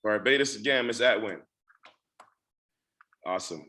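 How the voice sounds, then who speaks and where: A man's voice: lowish voice, unhurried, pushed and bright, echoey room. A man hosting a casual group call, upbeat and full of fillers, handing over to a guest. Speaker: call host.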